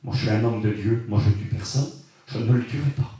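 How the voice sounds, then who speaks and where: A preacher acting a humble pleading fugitive. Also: male voice, on the high side, brisk, close to an everyday voice. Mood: calm refusal. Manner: earnest, pleading, emphatic. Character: humble young male fugitive, pleading with a king. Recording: echoey hall from far off.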